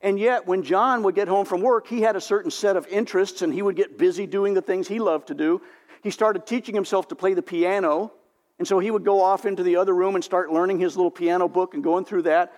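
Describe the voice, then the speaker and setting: A man's voice: sits high, steady tone, fairly quick, a little mellow. A man preaching a folksy sermon on marriage, acting out sample conversations between spouses. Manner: folksy, acts out sample dialogues. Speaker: pastor. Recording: long hall reverb.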